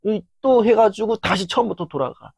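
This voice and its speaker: A lecturer giving a motivational talk while filming, their voice worn down after hours of recording, speaking earnestly and acting out inner voices in sudden loud bursts. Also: medium pitch, lively intonation, moderate pace, dry recording. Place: filming session.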